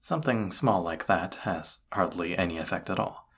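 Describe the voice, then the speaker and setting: Casting: male actor as a weary, awkward incubus roommate for audio roleplay, very low gravelly voice, hesitant delivery. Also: animated, exaggerated voice. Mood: awkward, explaining. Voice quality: husky, gravelly. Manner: hesitant, halting, soft-spoken, awkward. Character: tired, flustered male incubus roommate confessing feelings. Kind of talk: roleplay audio drama, intimate one-sided dialogue.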